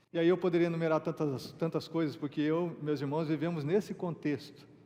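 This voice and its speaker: A man with a fairly high-pitched voice speaks at a moderate pace. Noticeable background noise runs underneath. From Brazil. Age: 50s. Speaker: pastor. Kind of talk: sermon.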